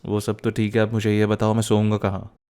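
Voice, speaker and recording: A man's voice: on the low side, completely flat delivery, a little fast, darkish tone, clean tone, lightly acted. A young man playing a teasing, playful and cheekily bossy young husband who gets flustered, in a boyfriend ASMR roleplay, mixing in some English. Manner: teasing, repeats words, mixes in English.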